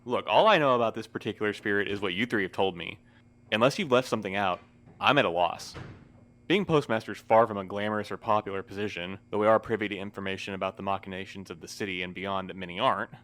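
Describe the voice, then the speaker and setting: An actor in an audio drama playing a weary postmaster who speaks formally with dry, sardonic wit. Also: male voice, on the low side, fast, a bit bright, close to an everyday voice. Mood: resigned. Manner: formal wordy phrasing, dryly sardonic.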